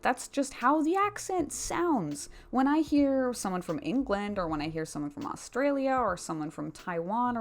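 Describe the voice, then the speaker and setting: A woman speaks in a somewhat low register, addressing her viewers directly. She delivers opinionated commentary in a casual, slangy way and leans on her points with emphasis. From Canada. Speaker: video commentary host.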